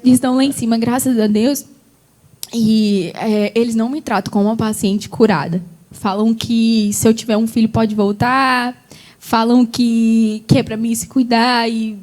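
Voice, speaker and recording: High-voiced Brazilian woman giving testimony. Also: darkish tone. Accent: Brazilian Portuguese. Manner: tells her story with feeling, fillers like "sabe?". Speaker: gospel singer and guest. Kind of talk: emotional testimony in a TV interview.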